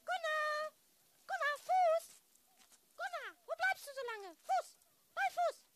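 An amateur performer playing a shrill dog owner calling out in an improvised radio play. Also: lively intonation, takes it slowly, heavy background noise, full character voice. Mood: alarmed calling.

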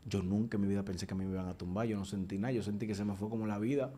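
A man, a preacher giving his testimony in an animated conversational way, often restarting his sentences. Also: fairly low pitch, very fast, breathy edge. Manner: animated storytelling with frequent restarts.

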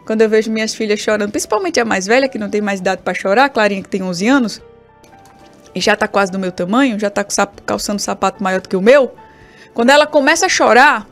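A woman's voice: mid-range voice, fast, faint music behind. A woman in her thirties with a Brazilian Portuguese accent, preaching a fervent radio sermon and speaking directly to the listener. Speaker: preacher on a radio morning program.

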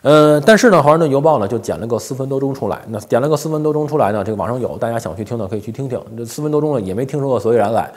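一位四十多岁、带北方普通话口音的男性，用口语化的方式做时政评论，常用反问和“对不对”之类的追问。. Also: male voice, medium pitch, expressive, racing, hardly any pauses, darkish tone. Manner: colloquial, rhetorical questions, frequent tag questions. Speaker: commentator, host of a daily show. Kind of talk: informal political commentary. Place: small indoor home office. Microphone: lapel.

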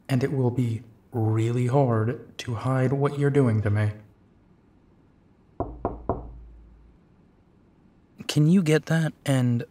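A man playing a gentle, protective, weary werewolf detective in an intimate audio roleplay, with a soft, halting delivery. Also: mid-range voice, natural voice. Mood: tender, flustered.

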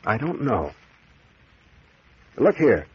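Husky American detective captain. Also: male voice, mid-range voice, slow pace, exaggerated voice. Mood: brisk, determined. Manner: calm, wry, hard-boiled, insistent. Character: cool, probing male private detective captain. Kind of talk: old-time radio mystery acting. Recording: muffled vintage radio recording.

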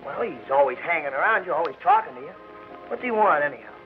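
Cocky young male American pageboy actor, high-pitched, slangy 1940s movie delivery, thin old-film sound. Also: expressive, quick pace, lightly acted. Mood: needling. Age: young adult. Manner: brash, slangy. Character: cocky young radio studio pageboy, quick to argue. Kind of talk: 1940s Hollywood film acting. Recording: muffled old film soundtrack, faint music.

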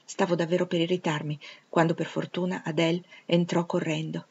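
A woman's voice: lowish voice, level tone, a little fast, a little mellow, slightly rough, highs cut off. Woman reading a classic novel aloud. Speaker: audiobook reader. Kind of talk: literary audiobook narration.

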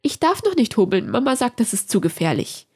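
A woman's voice: a little high, very animated, fairly quick, breathy edge, heavily acted. A woman voicing a cheerful, giggly little girl in a read-aloud story, with an eager, chirpy child's voice.

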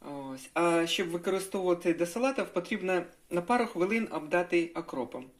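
This older woman's voice sits on the low side, and she speaks briskly and expressively. As a home cooking vlogger, she talks casually while cooking and tasting at home, sharing homely advice with viewers.

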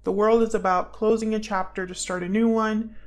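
Speaking a little fast in a steady, mid-range voice, a woman hosts a casual tarot reading on her channel. She muses aloud to viewers while explaining the cards and calling on spirit guides.

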